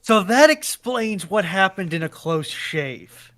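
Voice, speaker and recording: A man's voice: sits high, animated, takes it slowly, a bit bright. A man chatting casually as a panel guest, with a wry, bantering manner. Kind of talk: casual chat.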